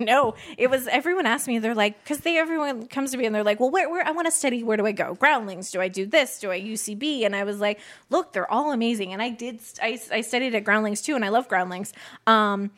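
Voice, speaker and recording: A woman's voice: a little high, fast. A woman guest in her thirties, chatting casually in an interview and laughing often at herself. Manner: laughing, self-deprecating, lively.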